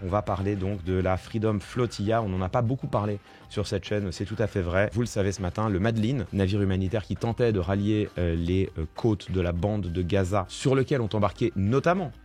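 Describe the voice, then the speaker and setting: Homme à la voix très grave, indigné. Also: male voice, fairly low pitch, fairly quick, hardly any pauses, a little mellow, soft background music. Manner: indignant, reads aloud then comments with fillers. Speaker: political commentator. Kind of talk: live-stream commentary reading news reports.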